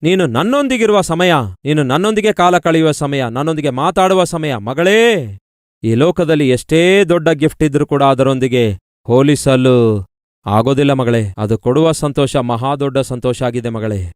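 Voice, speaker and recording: A man voicing a gentle father who reassures his daughter in a sermon story. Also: mid-range voice, normal speed, dry recording, studio quality, natural voice. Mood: tender. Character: tender loving father speaking to his daughter.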